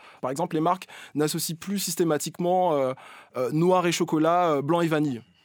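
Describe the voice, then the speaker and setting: With a normal speaking voice and fairly even intonation, a man at a fairly high pitch is heard in a very clean recording with a silent background. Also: moderate pace. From Martinique. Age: 30s. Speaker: podcast co-host. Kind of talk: casual chat.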